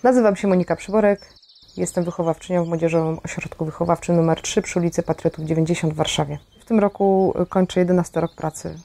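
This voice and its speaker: A woman's voice: lowish voice, fairly even intonation, fast talker, gravelly, noisy background. A woman who works as an educator, explaining things in an interview. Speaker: educator at youth centre.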